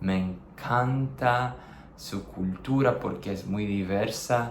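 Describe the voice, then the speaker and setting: Fairly even intonation at a very slow pace, with audible room echo. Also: man. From Brazil. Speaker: polyglot language teacher. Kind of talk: casual vlog monologue. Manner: unscripted, with fillers.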